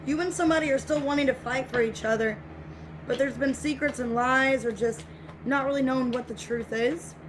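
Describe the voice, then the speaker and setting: High-voiced woman giving a tarot reading. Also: steady tone, brisk, background noise. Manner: repetitive, reassuring, conversational. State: voice getting scratchy. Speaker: tarot reader. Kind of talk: casual tarot reading for viewers.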